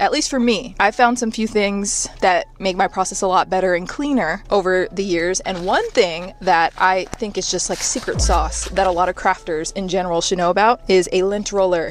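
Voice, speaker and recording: Over music in the background, a woman speaks at a medium pitch with ordinary pitch variation and hardly any pauses. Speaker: zine-making YouTuber. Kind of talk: casual tutorial haul video. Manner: fast; animated.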